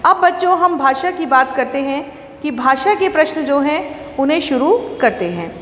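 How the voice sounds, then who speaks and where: A woman teaches children a school lesson, explaining patiently, repeating words and asking questions she then answers herself. Her high, animated voice has a fairly bright tone and a moderate pace. The echoey room gives a long reverb with faint ambience, plus a little hiss or hum.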